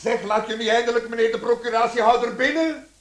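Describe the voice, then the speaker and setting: A man's voice: very high-pitched, quick pace. An actor in a radio play playing a middle-aged, bossy father who barks orders yet fawns on superiors. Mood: stern. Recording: echoey, slightly noisy radio drama recording.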